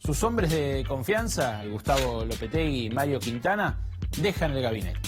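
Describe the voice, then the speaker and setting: A narrator voices a satirical news segment with a lively, swooping pitch and a mocking, sing-song lilt. The delivery is ironic throughout, and music plays clearly underneath. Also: moderate pace. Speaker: voice-over narrator.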